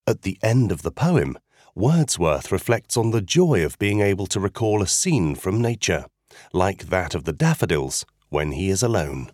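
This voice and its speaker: A man with a very low, deep voice narrates a literature lesson. His delivery is clear and measured, rising and falling expressively. The sound is dry and close, with no room around it. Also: sing-song, darkish tone, no room sound. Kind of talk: scripted educational narration.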